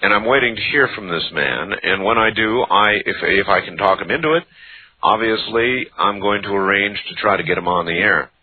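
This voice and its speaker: A man's voice: lowish voice, fairly quick, breathy edge, dry recording. A man in his early fifties hosting a call-in radio show, talking earnestly with listeners. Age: 50s. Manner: earnest, conversational, asks short questions. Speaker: talk radio host. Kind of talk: late-night call-in talk radio. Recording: dry narrowband radio sound.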